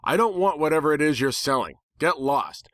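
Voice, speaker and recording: A man's voice: fairly high pitch, expressive, a little fast, fairly bright tone, dry recording, clean studio sound, pitched above the performer's own voice. A man voicing an irritable, stubborn talking pony from a story, with a snarky, petulant, whiny manner. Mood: dismissive.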